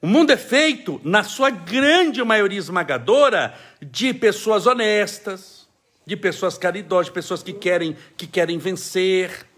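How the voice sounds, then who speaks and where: Animated husky Brazilian man. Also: high voice, unhurried. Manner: animated, emphatic, laughing asides. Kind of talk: casual live-stream talk. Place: home, caring for his child.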